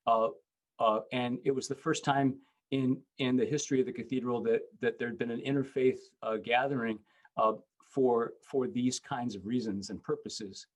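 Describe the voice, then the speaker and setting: Middle-aged male bishop, mid-pitched, hesitant speaker with many restarts. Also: steady tone, rough recording. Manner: halting, many fillers and restarts. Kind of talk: panel talk.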